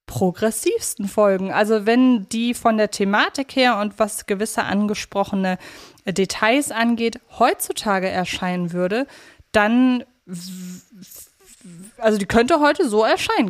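A woman co-hosting a podcast, talking in a casual discussion style with a medium-pitched voice. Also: unhurried. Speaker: podcast co-host.

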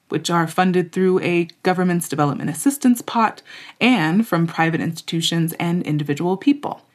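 A woman hosting a podcast, reading scripted narration in a measured, informative way. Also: on the low side. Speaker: podcast host.

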